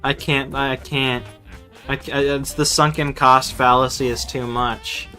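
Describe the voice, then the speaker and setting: In a pushed, bright, medium-pitched voice with little pitch movement, a man chats unhurriedly while streaming a video game. He rambles playfully and keeps repeating his phrases over faint game music.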